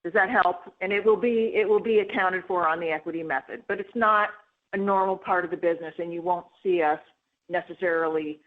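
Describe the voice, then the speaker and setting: A woman's voice: fairly low pitch, fairly quick. A woman executive answering analyst questions on an earnings call, in a conversational way with frequent fillers. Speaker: company executive. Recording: tinny phone line.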